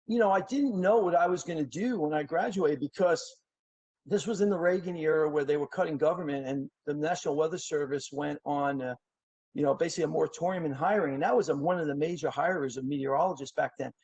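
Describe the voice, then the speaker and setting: A middle-aged man from New York City talks at length as a podcast guest. His voice sits slightly high, and he rambles through stories with plenty of fillers and restarts. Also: fast, a little mellow, slightly rough, dry recording, dull audio. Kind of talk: casual interview storytelling.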